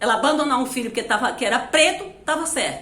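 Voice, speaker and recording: A woman with a high pitch projects a raised voice, her tone animated and her intonation lively. Audible room echo and noticeable background noise surround her. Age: 70s. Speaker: YouTuber. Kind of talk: video reply to a viewer comment.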